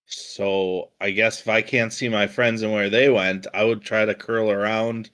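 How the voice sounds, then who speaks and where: A man playing a tabletop game, thinking aloud in a deliberate way. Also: on the low side, level tone, fairly bright tone, smooth. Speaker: player.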